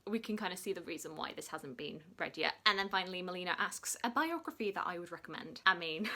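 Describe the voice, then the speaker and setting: A young woman with a mild Yorkshire accent chats to camera, answering viewers' questions about books. Her voice sits a little low for a woman but sounds bright and crisp. She talks quickly, dropping in plenty of "like" and laughing at herself. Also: animated. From West Yorkshire, England. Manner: chatty and self-mocking, many "like" fillers. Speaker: book vlogger. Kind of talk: casual Q&A chat to camera.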